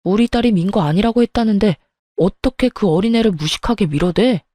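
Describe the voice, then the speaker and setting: A woman's voice: medium pitch, a little fast, mellow, dry recording, clean studio sound, close to an everyday voice. A woman voicing a blunt, middle-aged husband who demands answers in a reproachful way. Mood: angry.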